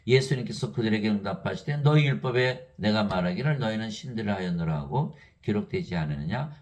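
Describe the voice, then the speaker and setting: An older man preaches from scripture in a gravelly, creaky voice. His pitch swings widely as he fires exasperated rhetorical questions at his listeners, then settles into an even recital tone for the verses. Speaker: lay preacher. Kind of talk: Bible teaching sermon.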